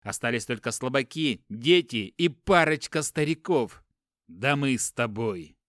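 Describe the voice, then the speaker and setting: A man's voice: medium pitch, lively intonation, moderate pace, no room sound, clean studio sound, lightly acted. A man voicing a detached, firm warrior who clips his words coolly. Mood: impassioned. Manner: firm, clipped, cool.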